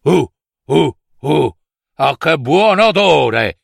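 A greedy ogre witch who feeds on children, as a male storyteller puts her on, sniffing and grunting over her prey. Her voice swoops wildly from low growls to shrill demands, close and dry with no room sound. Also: expressive, drawn-out words, gravelly, slightly rough, no echo, full character voice. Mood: greedy, snarling. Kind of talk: fairy-tale storytelling.

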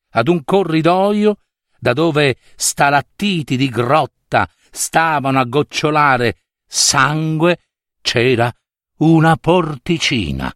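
Slow, dramatic male storyteller. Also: a little high, no echo, studio quality. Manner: slow, dramatic, richly expressive. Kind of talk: fairy-tale storytelling.

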